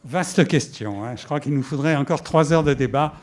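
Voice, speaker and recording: Male moderator, public debate, brisk and organized, slightly high-pitched. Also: darkish tone. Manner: brisk, organizing, apologetic about time.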